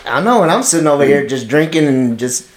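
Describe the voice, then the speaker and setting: A relaxed man shares a story in casual conversation. His pitch moves around a lot. He sounds like he is in an echoey room. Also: a little fast. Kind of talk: casual chat.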